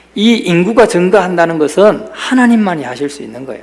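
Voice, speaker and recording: Noticeable noise can be heard in the background. Over it, a man talks. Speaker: senior pastor. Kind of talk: sermon. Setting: church. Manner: animated.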